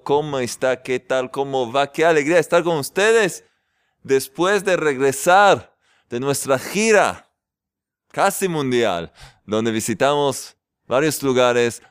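A man's voice: medium pitch, clear, resonant tone, no room sound, studio quality. Cheerful man leading a faith class. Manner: cheerful and joking, keeps exclaiming with delight. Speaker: religious teacher hosting a faith class. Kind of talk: lively religious class talk. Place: yeshiva study hall.

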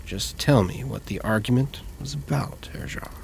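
A man voicing a calm, measured male knight questioning suspects. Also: medium pitch, gravelly, echoey room, slight background noise, close to an everyday voice.

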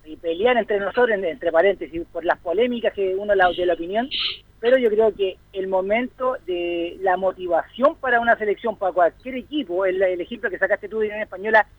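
Male football panelist on a phone line, hesitant and filler-heavy, high pitched. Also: brisk, no room sound. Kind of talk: sports talk debate. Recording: tinny phone-line sound.

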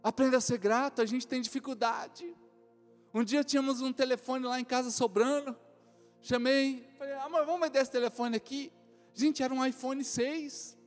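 A man's voice: very high-pitched, moderate pace, long reverb tail, soft background music. A Brazilian man, a pastor, preaching a sermon, telling funny stories and acting out the voices of the people in them. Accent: Brazilian Portuguese. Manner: animated storytelling, acts out other voices, laughs often. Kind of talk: sermon with acted anecdotes.

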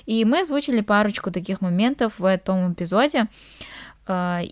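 A woman's voice: medium pitch, lively intonation, brisk, no echo. A young woman from Kazakhstan co-hosting a podcast, talking casually with frequent hesitant filler sounds. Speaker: podcast co-host. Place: living in England.

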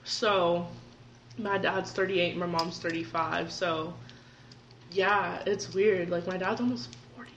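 A woman's voice: fairly low pitch, fairly even intonation, slow pace, fairly bright tone, muffled recording. A woman in her early twenties chatting casually and swearing often, saying "dude" a lot. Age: 20s. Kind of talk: casual chat. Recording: echoey room with faint background noise.

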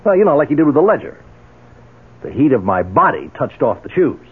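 An actor playing a shrewd, confident, dryly amused investigator in a 1970s radio drama. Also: male voice, mid-range voice, very animated, a little fast, slightly rough. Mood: wry, determined. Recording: muffled phone-like 1970s radio recording.

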